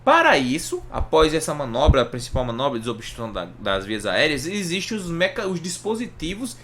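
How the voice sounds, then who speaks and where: A man's voice: fairly high pitch, huge pitch swings, a little fast, fairly bright tone. A Brazilian man giving an informal lesson in Portuguese with a Brazilian accent, explaining didactically, asking and answering his own questions and often checking that listeners follow. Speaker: health educator, online presenter. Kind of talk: informal anatomy lesson to camera.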